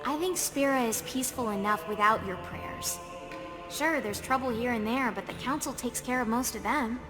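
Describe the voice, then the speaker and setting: A woman's voice: fairly high pitch, moderate pace, lightly acted. An actress playing a blunt, irked young woman envoy in a radio drama, confrontational and scornful. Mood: firm. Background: music.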